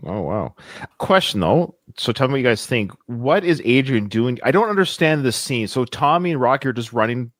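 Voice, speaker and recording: A male podcast co-host with a medium-pitched voice chats casually about a movie while watching it, speaking at a moderate pace. He is animated and acts out quoted lines from the film. The sound is clean studio quality with no echo.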